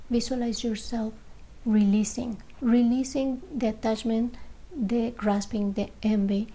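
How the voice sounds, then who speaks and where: A woman guides a meditation in a slow, gentle voice, using short phrases broken by long pauses and now and then sinking to a soft near-whisper. Her voice sits on the high side with some vocal fry, and the recording quality is low.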